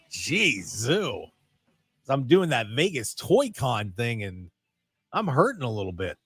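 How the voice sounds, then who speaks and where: Raspy radio host guy, rambly and excitable, dry studio sound. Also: mid-range voice, takes it slowly, long pauses, dry recording. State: raspy, strained voice. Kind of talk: casual radio chat.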